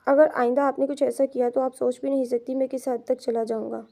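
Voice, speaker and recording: A woman's voice: high voice, little pitch movement, creaky, mellow. A woman reading an audio novel aloud, voicing a grown son who sternly and desperately warns his mother. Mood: stern warning. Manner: stern, pleading.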